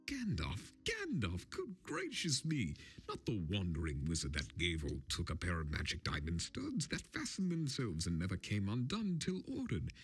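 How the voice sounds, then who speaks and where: A man voicing a polite, fussy, excitable hobbit gentleman in a storybook reading, prim and chatty with eager exclamations. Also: lowish voice, moderate pace, hardly any pauses, breathy edge, full character voice. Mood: amazed, excited. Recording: film score music underneath.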